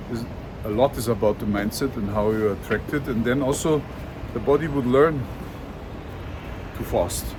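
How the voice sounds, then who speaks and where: Over noticeable background noise, a man talks at a medium pitch with ordinary pitch variation and long, frequent pauses. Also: moderate pace. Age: 60s. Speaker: vlogger and powerlifter. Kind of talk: casual vlog monologue. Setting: outdoors on a rooftop. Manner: hesitant, many fillers.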